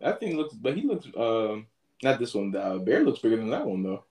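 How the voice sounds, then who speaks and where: A person chatting casually while reacting to a show, making quiet, musing remarks and laughing in bursts. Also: mid-range voice, very animated, brisk. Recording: roomy echo.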